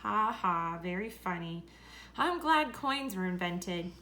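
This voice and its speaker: A woman reading a children's story aloud in a deliberate, expressive way. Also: fairly low pitch, a little hiss or hum. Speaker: story reader.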